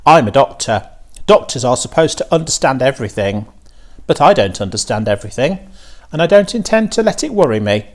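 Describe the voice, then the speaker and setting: A calm, philosophical country doctor from a children's storybook, acted out by a male reader. He muses and reassures thoughtfully, with a pitch that moves around in an animated way. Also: fairly quick, close to an everyday voice. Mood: calm, reassuring.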